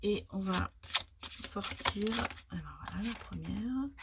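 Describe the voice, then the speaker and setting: A woman talks over noticeable background noise. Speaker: tarot card reader. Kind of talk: tarot reading video. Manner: hesitant, many fillers.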